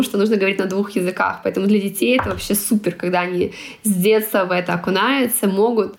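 A woman guest on a conversational podcast, talking in an enthusiastic, chatty way and correcting herself as she goes. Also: mid-range voice.

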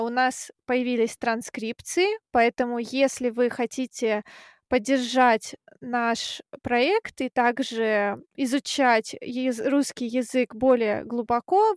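A woman from Russia hosting a podcast with prepared introductions and deliberate, learner-friendly delivery. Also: on the high side, clear, resonant tone, dry recording, studio quality. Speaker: podcast host.

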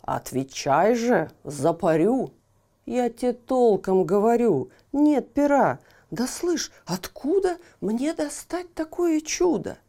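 A simple young peasant lad, played by a woman reading a fairy tale, loud and pleading in a raised, lively voice. Slightly gravelly and warm, he speaks slowly. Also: on the high side, heavily acted. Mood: pleading defiant.

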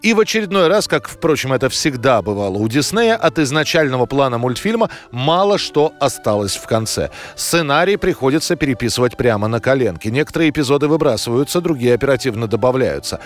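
A man's voice: mid-range voice, animated, quick pace, few pauses. A man presenting a history programme, reading scripted documentary narration. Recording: music under the voice. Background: background music.

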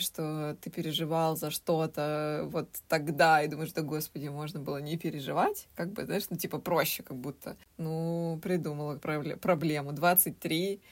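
A woman's voice: low voice, steady tone, normal speed. A young woman in her late twenties co-hosting a podcast, chatting casually and retelling stories with little acted quotes. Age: 20s. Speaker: podcast co-host.

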